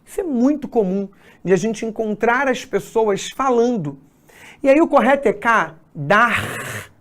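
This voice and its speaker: A woman's voice: a little high, moderate pace, darkish tone. A woman teacher explaining grammar at a whiteboard, often checking in with her students. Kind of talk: exam-prep grammar lesson.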